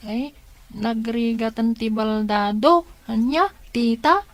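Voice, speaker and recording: A woman acting a slow, high-voiced curious child. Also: lively intonation, dry recording. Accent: Filipino. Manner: wondering, inquisitive. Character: curious, wide-eyed child talking with an aunt. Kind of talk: Ilocano radio drama acting.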